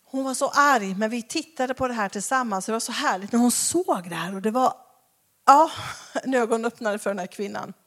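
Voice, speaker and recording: A woman's voice: fairly high pitch, fairly bright tone. A woman giving a Christian teaching talk, acting out conversations as she tells them. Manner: acts out dialogues with shifting voices. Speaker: Christian speaker.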